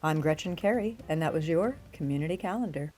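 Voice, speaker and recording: A woman presenting a community events calendar in a friendly, clear way. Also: deep voice, animated, fast talker, darkish tone, a little hiss or hum. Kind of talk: scripted announcements.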